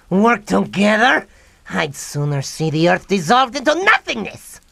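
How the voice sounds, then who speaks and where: A woman's voice: mid-range voice, big pitch swings, measured pace, creaky, a bit bright, no room sound, exaggerated voice. A woman playing a petulant, grandiose young mad scientist in a comic radio drama, melodramatic and sulky. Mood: megalomaniac.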